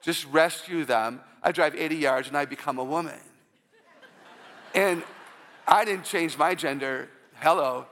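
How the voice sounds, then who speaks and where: A woman with a low voice, often taken for a man's, giving an inspirational church talk full of humorous personal stories and call-outs to the audience. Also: a little slow, fairly bright tone, in a large hall, a little hiss or hum.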